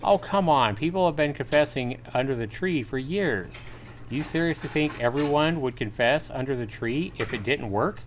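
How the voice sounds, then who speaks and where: A man voicing a cocky, crude teenage high school boy from a visual novel, teasing his friend, with noise behind him. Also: lively intonation, normal speed, natural voice. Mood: cocky, insistent. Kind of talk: acted visual novel dialogue.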